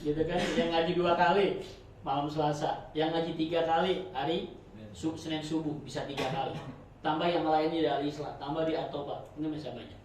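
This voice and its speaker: A man gives an informal sermon to a study circle, joking and chatty, his volume rising and falling. His voice sits a little high. He is recorded from a distance in a very echoey prayer room with faint noise behind. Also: brisk. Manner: chatty and joking, with lively swings between loud and soft. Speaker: ustadz teaching a religious study circle.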